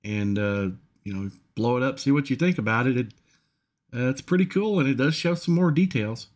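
Halting, folksy man giving a casual update. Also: medium pitch. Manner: halting, hesitant, folksy phrasing. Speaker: host of an engine repair channel. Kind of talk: casual off-the-cuff product update.

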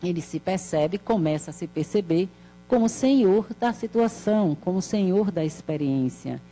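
With a fairly low voice, a woman in her sixties lectures on spiritual topics while seated at a table in a small hall, holding a mic. She is calm, measured and explanatory, asking rhetorical questions, and a bit of hiss or hum is audible.

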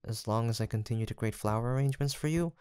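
A man playing a gentle, earnest apothecary in a fantasy audio roleplay, soft-spoken, formal and courteous, with some hesitation. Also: medium pitch, fast, a little hiss or hum, close to an everyday voice. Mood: touched, grateful. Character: gentle, earnest, guilt-haunted male apothecary in fantasy village. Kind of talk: soft, sweet roleplay acting addressed to the listener.

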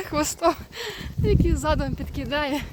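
High-voiced woman on horseback outdoors. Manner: calls out to horses, urging and soothing. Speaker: horse owner vlogger. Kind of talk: casual vlog narration while riding. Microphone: camera carried while riding. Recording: loud outdoor noise, hoofbeats. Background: loud hoofbeats and outdoor noise.

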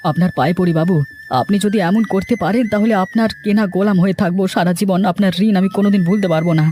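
A man voicing a desperate poor villager in a cartoon, pleading in a halting, servile way. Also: high voice, fairly even intonation, mellow, soft background music, voice pushed up, lightly acted.

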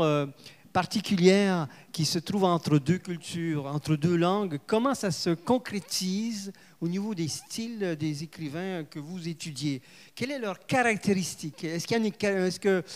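High-voiced man moderating a panel. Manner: halting, searching for words. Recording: hall reverb.

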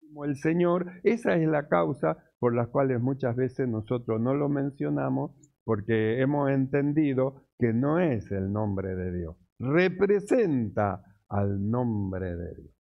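A man preaching a sermon as pastor, teaching slowly and deliberately, repeating key words. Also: medium pitch, creaky, muffled recording. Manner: slow, deliberate teaching with repetitions.

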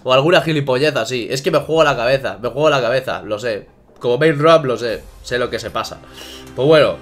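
A man's voice: mid-range voice, a little fast, faint music behind. A man with a Spain Spanish accent doing solo esports commentary over match footage, swearing freely and repeating phrases. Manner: profane, repeats phrases, excitable during fights.

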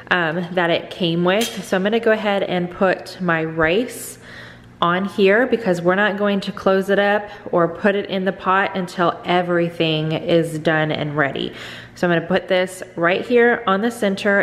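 A middle-aged woman with a slightly low voice talks a viewer through a recipe in a relaxed, chatty way, explaining each step as she works. Her voice rings with a long reverb from the kitchen, and a faint hiss sits underneath. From Texas. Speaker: cooking vlogger. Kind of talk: casual cook-along demonstration. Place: home kitchen, indoors.

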